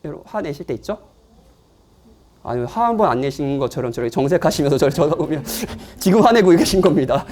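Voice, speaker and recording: A man's voice: a little high, expressive, fast talker, darkish tone, slight background noise. A man preaching a sermon in a church, speaking conversationally and playfully with his congregation. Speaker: pastor. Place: church, afternoon service.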